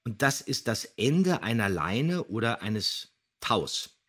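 Husky middle-aged man explaining on a podcast. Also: lowish voice, sing-song, slow pace, fairly bright tone. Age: middle-aged or older. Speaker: podcast co-host, radio play voice actor. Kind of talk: casual podcast talk, explaining.

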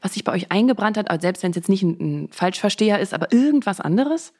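A woman hosts a relaxed, informal podcast discussion. Her voice sits in the middle range, and she speaks at a very rapid pace. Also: medium pitch. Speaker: podcast host. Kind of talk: casual moderating chat.

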